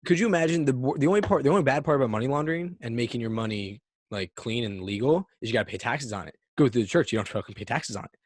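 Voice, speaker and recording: A man hosting a loose podcast conversation, cracking jokes and swearing freely. His voice sits at an ordinary pitch and sounds dry, with no room around it. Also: expressive, very fast, hardly any pauses, dry recording. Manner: joking, profane, rambling. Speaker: podcast host. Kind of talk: casual podcast chat.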